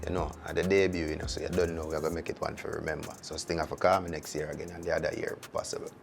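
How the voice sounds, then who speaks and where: A man's voice: rumbling low, little pitch movement, rapid-fire, creaky, faint music behind. A man, a performing artist talking confidently in an interview.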